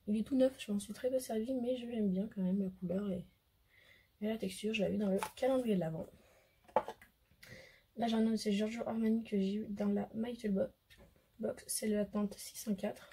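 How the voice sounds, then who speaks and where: Hoarse French woman, beauty vlogger, casual hesitant chat to camera, mid-pitched, faint hiss behind. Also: steady tone, moderate pace, pauses often, dark tone. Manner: chatty, hesitant, many fillers. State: hoarse, losing her voice.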